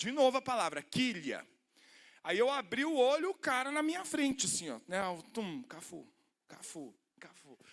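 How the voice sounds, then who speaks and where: A man's extremely high voice moves at a moderate pace, with very wide pitch swings and big swings in loudness. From Paraná, Brazil (Toledo/Cascavel). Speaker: preacher, teacher. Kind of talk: sermon. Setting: church conference with audience. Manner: casual, animated.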